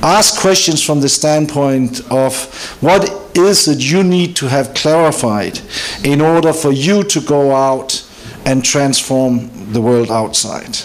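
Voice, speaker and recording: A man's voice: medium pitch, takes it slowly. A man moderating a conference discussion, phrasing things carefully. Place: conference room.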